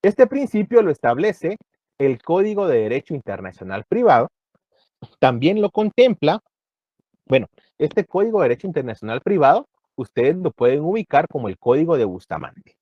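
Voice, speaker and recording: Lively man lecturing on law. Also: a little high, normal speed, no room sound, highs cut off. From Guatemala. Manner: explanatory, checks understanding with frequent "¿verdad?". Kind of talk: university lecture.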